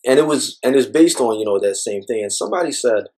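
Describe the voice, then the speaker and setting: A man's voice: medium pitch, animated, fast, a little mellow. A man speaking as an interview guest, talking thoughtfully in a rambling way with many fillers. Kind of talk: reflective personal conversation.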